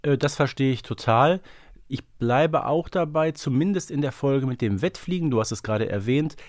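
A man's voice: mid-range voice, animated, normal speed, no echo. Man hosting a podcast, dry close sound. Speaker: podcast host. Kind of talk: conversational fan discussion.

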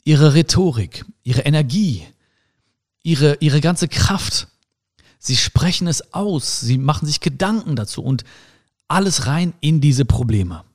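Young guy podcasting, chatty advice talk, pitch jumps around a lot, acts out little back-and-forths. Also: lively intonation, unhurried. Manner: reflective, talks straight to the listener, acts out little dialogues. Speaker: podcast host. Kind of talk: casual advice monologue.

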